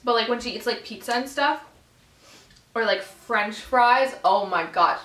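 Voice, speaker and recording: A woman in her twenties chatting casually to camera over a meal, informal and animated, chewing as she talks. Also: a little high, unhurried. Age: 20s. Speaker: vlogger. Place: small bedroom, indoors. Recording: echoey room sound.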